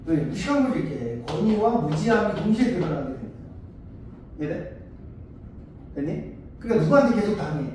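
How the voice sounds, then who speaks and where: Brisk but with long pauses, a man tutoring Korean literature speaks to his class in a high, mellow, animated voice. He regularly checks in with the students and slips into brief acted dialogues for explanation. The mic is far off in an echoey room, and faint noise can be heard.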